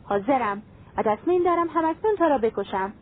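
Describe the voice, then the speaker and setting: A woman's voice: high voice, lively intonation, slight background noise. A woman voicing an ancient, white-haired male jinn who speaks in a threatening, relentless way, over a tinny phone-like line. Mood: menacing.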